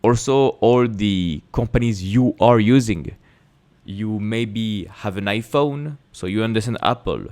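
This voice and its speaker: This French-accented host of an investing channel, a native French speaker from France, gives a casual explanatory talk to camera, emphatic and full of rhetorical questions, repetitions and restarts. He speaks at a measured pace in a lowish, darkish voice.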